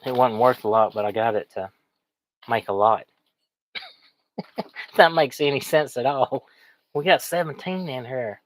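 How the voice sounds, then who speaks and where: A man's voice: medium pitch, measured pace, pauses often. A man with a cold chats in a rambling, folksy way as he shows items to viewers in a casual livestream. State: sniffly, has a cold. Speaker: online reseller streaming.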